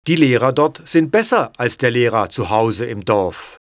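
A man reading an audiobook story in a clear, measured way. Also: mid-range voice, animated, no room sound, studio quality. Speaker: narrator. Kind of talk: scripted audiobook narration.

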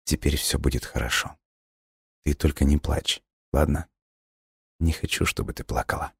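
A man voicing a gentle, dying ghost boy who speaks softly and wearily in a hushed, breathy voice. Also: a bass voice, steady tone, normal speed, no room sound, studio quality. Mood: tender, hushed.

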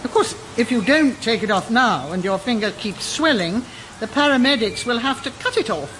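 An actress playing a brisk, bossy older woman with a dry manner in a radio comedy. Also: a little high, expressive, a bit bright, slight background noise, low-quality recording. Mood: brisk, tart. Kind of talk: scripted radio comedy acting.

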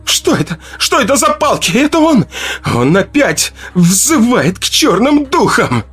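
A man voicing a frantic tribal herbalist mother who screams accusations in a shrill voice. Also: big pitch swings, a little slow, a bit bright, breathy edge, faint music behind, heavily acted. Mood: furious.

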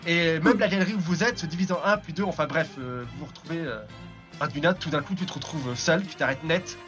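A man's voice: on the high side, fairly quick, fairly bright tone, soft background music. A man improvising narration as game master of a tabletop role-playing game, often repeating words and phrases.

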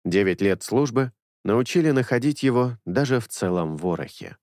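Male narrator, expressive intonation, dry close recording, steady storytelling. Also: fairly low pitch, dry recording. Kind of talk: audiobook narration.

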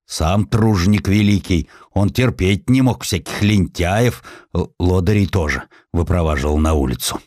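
A man's voice: deep voice, normal speed, a little mellow, dry recording, studio quality, lightly acted. A man voicing an elderly factory veteran who recalls things in a plain, homely way. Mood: fond.

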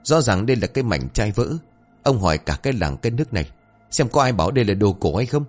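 A man voicing a suspicious old village woman who scolds and threatens loudly. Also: fairly low pitch, very animated, quick pace, soft background music. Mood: scolding.

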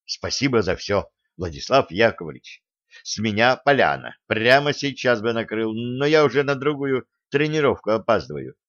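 A man's voice: mid-range voice, animated, normal speed, a bit bright, dry recording, close to an everyday voice. A sheepish young martial arts student speaks in a subdued, mumbling way, voiced by a male reader. The recording is dry and a bit dull.

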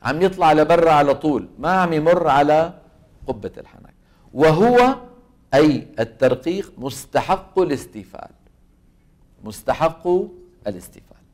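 Higher-voiced Levantine man teaching recitation. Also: animated, moderate pace, long pauses. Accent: Levantine Arabic. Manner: asks students questions and answers them himself; repeats sounds aloud to demonstrate them. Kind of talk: classroom lecture on tajweed.

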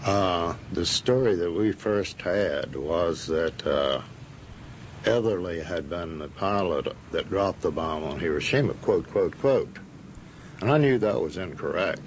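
Blunt American man with very low voice. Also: expressive, slow pace. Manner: blunt, emphatic, repeats words for emphasis. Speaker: interviewed author. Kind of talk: informal interview recollection. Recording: dull interview tape with faint noise.

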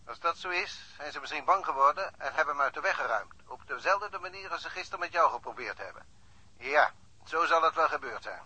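A man acting a brisk, alert police colleague on the telephone in a radio drama, probing and speculating. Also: on the high side, animated, bright, forceful tone, husky, exaggerated voice, low-quality recording. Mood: inquisitive.

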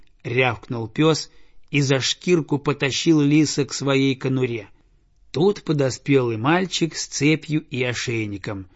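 Man calmly narrating a storybook. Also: medium pitch. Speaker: audiobook narrator. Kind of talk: scripted narration. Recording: dull lo-fi recording.

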